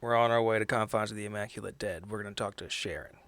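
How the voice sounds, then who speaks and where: A man voicing a laid-back, wry old man in a tabletop roleplay, talking casually and haltingly in a hushed way. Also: fairly low pitch, fairly even intonation, no room sound, pitched below the performer's own voice. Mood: wry, guarded.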